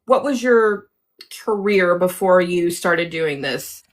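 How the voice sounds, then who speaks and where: A woman's voice: lowish voice, animated, takes it slowly. A woman hosting a casual interview, asking questions and giving short encouraging replies. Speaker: interview host.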